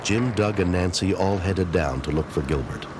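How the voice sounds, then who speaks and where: A man narrating a true rescue story in a grave, measured, scripted way. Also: low-pitched, background noise. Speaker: program narrator.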